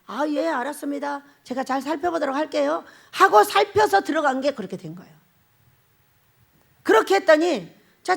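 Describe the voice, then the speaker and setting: Lively high-voiced woman preaching. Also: gravelly. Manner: animated, laughs often, asks the congregation questions. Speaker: pastor. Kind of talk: sermon.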